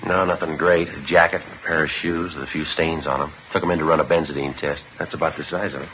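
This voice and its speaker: A man's voice: rumbling low, steady tone, quick pace, bright, forceful tone, slight background noise. An actor playing a terse, matter-of-fact police detective who narrates his case in a clipped, businesslike way, in the style of 1950s radio drama. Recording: lo-fi vintage radio broadcast with music.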